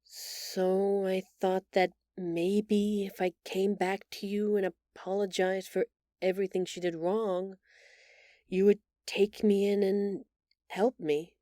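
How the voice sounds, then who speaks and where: A woman playing a gentle, frightened alien shapeshifter in an audio roleplay, halting, earnest and apologetic. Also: mid-range voice, little pitch movement, dry recording, studio quality, voice pushed down, close to an everyday voice. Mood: earnest, pleading. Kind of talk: audio roleplay acting, intimate confession.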